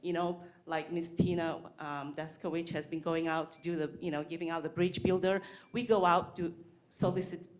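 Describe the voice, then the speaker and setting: A woman speaks at a school board podium microphone, her voice sitting low. She is earnest and hesitant, with many ums and restarts as she makes her public comment. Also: fairly even intonation, moderate pace. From Malaysia. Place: board meeting room.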